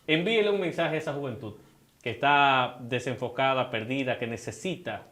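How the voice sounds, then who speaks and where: A male interviewer asking his guest calmly for a message. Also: mid-range voice, normal speed.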